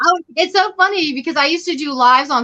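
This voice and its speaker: At a fairly quick pace, a woman talks in a raised, projected voice with a bright, sharp, animated tone and lively intonation, the sound dry and close with no echo. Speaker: crochet content creator. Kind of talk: casual chat. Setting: video livestream. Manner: loud.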